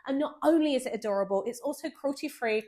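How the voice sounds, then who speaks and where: A woman's voice: high voice, quick pace, darkish tone. Stuffy-nosed woman, chatty beauty vlogger. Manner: chatty, enthusiastic, gushing about products. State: nasal and stuffy from a cold. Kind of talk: casual product review walkthrough.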